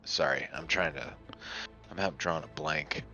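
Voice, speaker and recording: A man playing a tabletop game, chatting casually and a little haltingly about his move, on a dull lo-fi recording. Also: rumbling low, pushed and bright, faint music behind.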